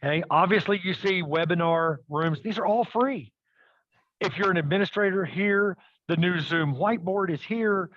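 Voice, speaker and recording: A man's voice: high-pitched, normal speed, no room sound, highs cut off. A man presenting a live webinar demo, upbeat and checking in with the audience as he goes. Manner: upbeat, addresses audience with "okay?" and "right?".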